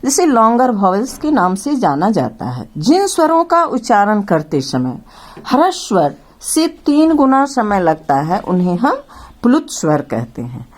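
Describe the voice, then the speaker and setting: A woman's voice: medium pitch, very animated, a little slow. A woman teaching grammar to children, patiently explaining and drawing out each vowel sound as she names it. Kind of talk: slow classroom explanation to children.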